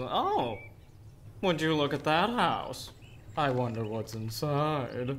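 Using a put-on character voice at a fairly high pitch, a man speaks at a fairly slow pace with long, frequent pauses over clear background noise. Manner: sly, gleeful.

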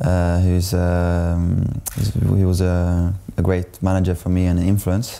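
A man with a Norwegian accent speaks in a very deep, low voice. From Norway. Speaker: professional footballer. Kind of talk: interview. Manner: halting. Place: meeting room.

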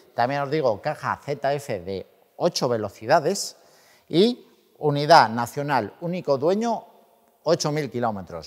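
Very wide pitch swings at a very slow pace against a quiet background. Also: man. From Spain. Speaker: car YouTuber. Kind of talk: casual vlog presentation. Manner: animated. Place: shop.

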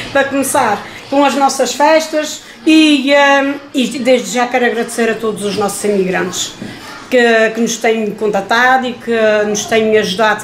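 Against light background noise and audible room echo, a woman speaks fairly slowly at a fairly high pitch with ordinary pitch variation. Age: 60s. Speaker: local woman interviewed at home; interviewee. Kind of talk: casual chat. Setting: at home. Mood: warm, heartfelt. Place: home room. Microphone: phone near.

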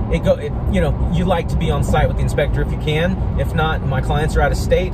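There is loud background noise as a man speaks at a fairly quick pace, with a dry sound and no echo. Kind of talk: casual vlog chat. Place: car. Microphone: phone near.

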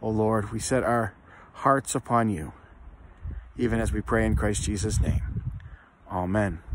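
A man at a moderate pace, with long, frequent pauses and noticeable background noise. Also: dry sound with no echo. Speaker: devotional leader / pastor. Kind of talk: devotional prayer and Bible reflection; fervent, earnest spoken prayer. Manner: earnest, heartfelt, pleading prayer delivery; measured, reverent, pastoral. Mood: solemn, prayerful. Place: open country. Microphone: phone near.

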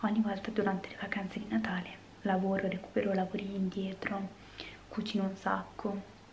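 With light background noise, a high-pitched man speaks at a moderate pace. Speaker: ASMR creator. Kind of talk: ASMR whispering video for sleep, talking to camera. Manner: whispered, soft-spoken. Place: home room.

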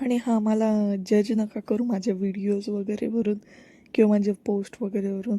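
A woman's fairly high-pitched, somewhat breathy voice with a dark, mellow tone and monotone, flat intonation. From Alibag, Maharashtra (Konkan coast). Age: 20s. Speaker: small business owner (handmade candles). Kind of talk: self-introduction voice-over.

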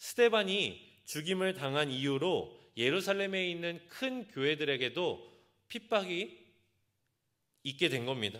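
A man with a high pitch talks at a very slow pace. His intonation is lively. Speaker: pastor. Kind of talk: sermon. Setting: church.

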